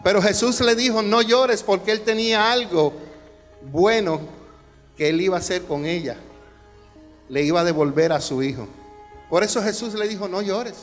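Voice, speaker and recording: A man preaching a sermon as pastor, asking the congregation questions and building emphasis. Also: high-pitched. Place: church hall. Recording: long hall reverb with faint music.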